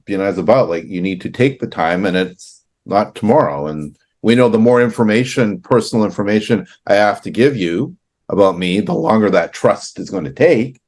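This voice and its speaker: A man's voice: fairly low pitch, animated, moderate pace, darkish tone. A man from Canada co-hosting a casual business chat, talking loosely with fillers and restarts. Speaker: co-host.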